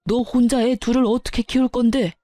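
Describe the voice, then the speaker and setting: A woman's voice: a little high, little pitch movement, fairly quick, dark tone, no room sound, soft background music, natural voice. A woman voicing an older father-in-law who berates his son with insults, in a dramatized story reading. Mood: furious.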